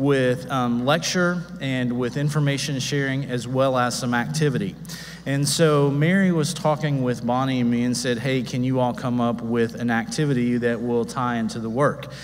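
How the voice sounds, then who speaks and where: The speech moves at a moderate pace with ordinary pitch variation and light background noise. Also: man. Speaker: presenter. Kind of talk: conference presentation. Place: stage. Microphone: podium.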